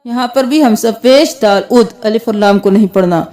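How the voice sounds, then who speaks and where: A woman teaching tajweed, chanting Quranic words slowly and spelling them letter by letter with their vowel marks, with an Urdu-speaking South Asian accent. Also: a little high, mellow. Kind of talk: tajweed lesson, slow chanted recitation between quick explanations.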